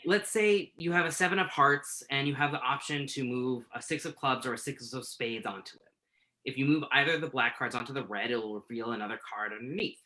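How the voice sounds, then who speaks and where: A bright, forward-sounding male voice at a middle pitch. A man acting as an earnest, slightly nervous magazine journalist in a naturalistic stage play reading. He speaks tentatively and thoughtfully, as in a conversational interview. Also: brisk, close to an everyday voice, rough recording. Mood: tentative, musing. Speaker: actor in a virtual staged reading.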